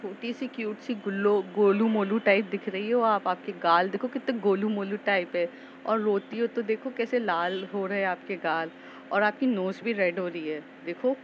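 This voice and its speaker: A woman's voice: mid-range voice, normal speed, lightly acted. A woman voicing a carefree, playful teenage schoolgirl who coaxes and teases a crying friend. The recording is slightly dull, with faint traffic behind. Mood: teasing. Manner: coaxing, affectionate teasing.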